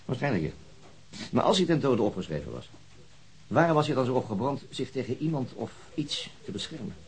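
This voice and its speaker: An actor playing a methodical, weary police detective in a radio drama, speaking in a dry, deliberate, sometimes hesitant way. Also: male voice, medium pitch, very animated. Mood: dry, thoughtful. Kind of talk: naturalistic radio drama dialogue.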